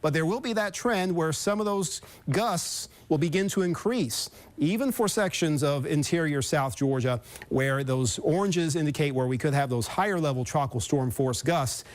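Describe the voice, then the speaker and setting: A man forecasting the weather live on TV in wordy, halting, circling phrases. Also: on the high side, animated.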